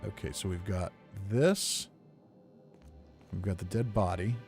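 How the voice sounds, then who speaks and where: Mellow, low-voiced man gaming. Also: a little slow, faint music behind. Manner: easygoing, thinks aloud. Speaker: gamer narrating playthrough. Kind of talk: casual game commentary.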